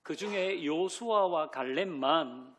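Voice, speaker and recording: A man's voice: on the high side, expressive, slow, a bit bright, a little hiss or hum. A man preaching a Sunday sermon as pastor, who asks the congregation questions, leads them in reading scripture and drops in light joking asides. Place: church sanctuary.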